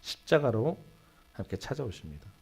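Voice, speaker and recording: A man preaching a Sunday sermon in a church, telling a story with sudden swings between loud and hushed delivery. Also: mid-range voice, sing-song, moderate pace, gravelly, breathy edge. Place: church sanctuary.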